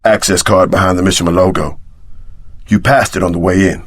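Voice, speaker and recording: An actor voicing a tough, brash ex-security chief with streetwise swagger and a gruff voice in a video game. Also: male voice, sits low, steady tone, brisk, dry recording, studio quality. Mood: low, confiding.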